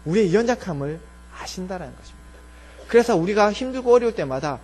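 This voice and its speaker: A man preaching a Sunday sermon from a church pulpit, his voice a little high with a husky edge. He speaks earnestly and often sinks to a soft, low tone as he pleads. A faint electrical hum sits under the recording. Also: expressive, quick pace, poor audio. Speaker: pastor. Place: church sanctuary.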